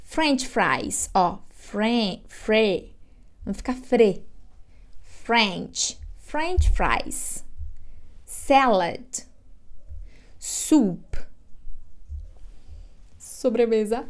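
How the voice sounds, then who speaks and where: A woman with a Brazilian Portuguese accent teaches English on a webcam from a room at home. Her voice sits a little high, and she takes her time. She draws out each word she models and repeats it. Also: animated. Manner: slow, drawn-out modeling of words, repeating each one. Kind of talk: online English lesson.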